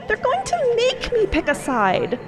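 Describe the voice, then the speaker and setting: A woman's voice: very high voice, huge pitch swings, a little slow, over loud music, full character voice. A woman playing an anxious young niece in a fiction podcast, earnest and rambling in her worries. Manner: rambling, breathless run-on worrying.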